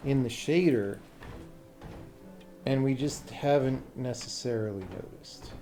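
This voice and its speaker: Livestreaming game programming, a man casually thinks aloud, muttering to himself in short fragments with the odd swear word. His mid-range voice is unhurried and mellow. Soft background music, faint noise and computer keyboard typing can be heard.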